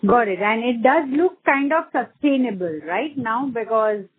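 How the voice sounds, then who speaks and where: A woman's voice: fairly high pitch, expressive, normal speed, husky. A woman, an analyst putting questions on a conference call. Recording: tinny phone line.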